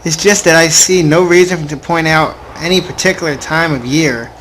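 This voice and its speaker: A man's voice: fairly high pitch, normal speed, a bit bright, slight background noise, rough recording. A young adult man hosting a casual gaming video, reading story text aloud informally with offhand asides and the occasional stumble.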